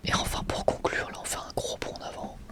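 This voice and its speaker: A young adult man whispers in a casual, enthusiastic ASMR style, sometimes hesitating as he presents. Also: fast talker. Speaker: ASMR video creator presenting a manga collection.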